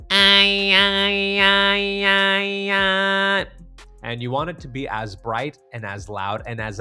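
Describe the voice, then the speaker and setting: A man working as a vocal coach, giving step-by-step tutorial instruction and speaking directly to the viewer. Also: medium pitch. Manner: demonstrates exercises step by step, direct address.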